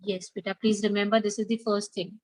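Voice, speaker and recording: A woman with a medium-pitched, darkish voice delivers a biology lecture in a flat manner and at a slightly fast pace. With her South Asian accent, she keeps repeating key points and questioning her students. The audio is poor and has no room sound.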